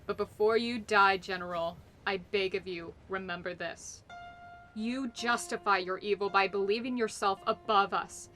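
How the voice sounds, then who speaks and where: A woman's voice: medium pitch, steady tone, normal speed, sharp tone, soft background music, close to an everyday voice. An actress playing a tough, wry female spy in an audio drama, loyal and defiant. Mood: cold contempt. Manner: wry, hard-boiled, defiant.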